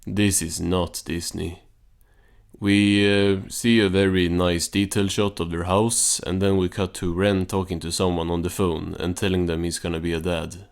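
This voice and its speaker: Deep-voiced man doing casual deadpan recaps. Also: normal speed, creaky. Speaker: cartoon recap host.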